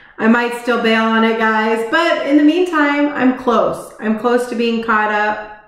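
In a room with audible echo and a quiet background, a woman with fairly high pitch talks at a fairly slow pace with ordinary pitch variation. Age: 40s. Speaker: cross stitch YouTuber. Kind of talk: casual vlog monologue. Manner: chatty, rambling with laughs. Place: home room. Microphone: webcam.

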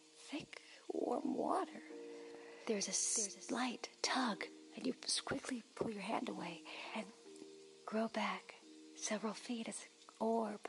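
A soft-spoken woman talks at a very slow pace with long, frequent pauses. Clear music plays in the background. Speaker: storyteller. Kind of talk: narrated second-person story, ASMR-like. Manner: soft-spoken, hushed storytelling voice. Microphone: studio mic.

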